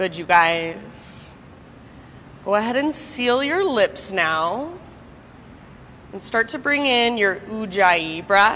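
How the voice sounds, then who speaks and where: Very slow speech from a woman, noticeable background noise throughout. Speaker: yoga teacher. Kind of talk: guided yoga class. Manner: loud.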